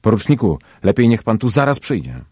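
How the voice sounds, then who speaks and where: A man voicing a startled, jumpy police desk sergeant in an audiobook story, shouting in alarm. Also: very deep voice, sing-song, moderate pace, vocal fry, husky, dry recording, heavily acted.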